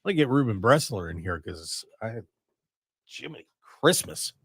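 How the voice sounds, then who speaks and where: Raspy radio host guy, rambly and excitable, dry studio sound. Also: fairly low pitch, moderate pace, no room sound. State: raspy, strained voice. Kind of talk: casual radio chat.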